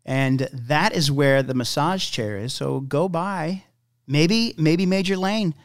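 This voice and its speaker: Young male host, friendly and informal, clear smooth voice. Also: on the high side, slow pace, no room sound, clean studio sound. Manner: friendly, informal, hesitant fillers. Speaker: podcast host, interviewer. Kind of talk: casual interview chat.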